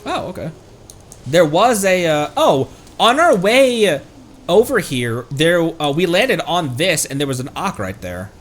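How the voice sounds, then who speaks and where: A man's voice: fairly high pitch, very animated, unhurried, fairly bright tone. A man giving casual, playful live commentary as he plays a video game, mimicking game lines now and then. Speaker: streamer playing a video game. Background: game music.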